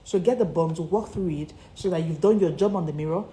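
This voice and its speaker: Echoey low-voiced Nigerian woman coach, emphatic. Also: fast, warm tone. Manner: emphatic and preacherly, repeating key phrases. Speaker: confidence and public speaking coach. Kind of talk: motivational coaching talk to online followers. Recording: echoey room with faint background noise.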